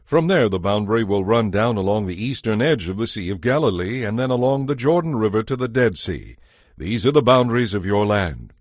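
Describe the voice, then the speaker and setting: A man narrating dramatized scripture in a solemn, measured, authoritative manner. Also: lowish voice, big pitch swings, dry recording, clean studio sound. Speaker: audio Bible narrator. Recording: music under the voice. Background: music.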